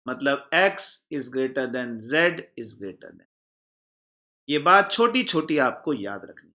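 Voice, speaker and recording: In a sing-song, mid-range voice that draws out its words, a man runs an exam-prep chemistry lesson. Addressing his students warmly as "children," he goes over key points again and again, poses questions and supplies the answers himself.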